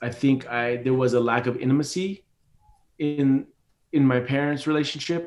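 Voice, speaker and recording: A man with an unremarkable speaking voice talks at a moderate pace, his medium pitch kept fairly even in intonation. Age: 40s. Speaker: founder of a creative studio, documentary filmmaker. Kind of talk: interview conversation.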